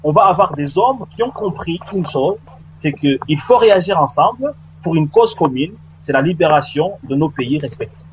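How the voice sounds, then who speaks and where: A man speaking as a guest in a radio debate, earnest and hesitant, with many pauses and fillers. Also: on the high side, expressive. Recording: dull lo-fi radio line with faint noise.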